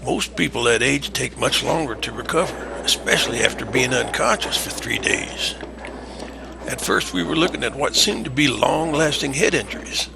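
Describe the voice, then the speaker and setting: An actor playing a mild, good-humored hospital doctor in an audio drama, explaining things in a measured, professional way. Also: male voice, medium pitch, vocal fry, background noise. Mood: impressed.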